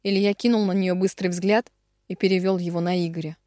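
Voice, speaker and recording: A woman reading a novel aloud as an audiobook in a steady storytelling manner. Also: on the low side, brisk, no room sound, studio quality. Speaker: audiobook reader. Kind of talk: scripted narration.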